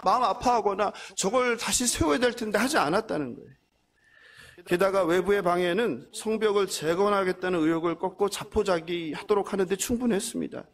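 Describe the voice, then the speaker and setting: A man's voice: sits high, a bit bright. A male pastor preaching a sermon, asking the congregation questions and answering them himself, and sometimes acting out the mocking voices of the enemies in the passage.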